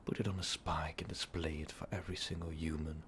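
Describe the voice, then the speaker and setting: A man playing an ancient, brooding vampire overlord in a slow, halting, breathy half-whisper for an ASMR roleplay. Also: rumbling low, flat delivery, a bit bright. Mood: grim recounting. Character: ancient brooding male vampire overlord confessing his dark past. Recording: noticeable background noise.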